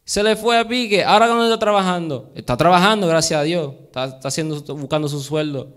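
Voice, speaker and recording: A man preaching a sermon, lively, quizzing his congregation and dropping in English phrases. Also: on the high side, fast, clear, resonant tone. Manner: lively, asks the congregation questions.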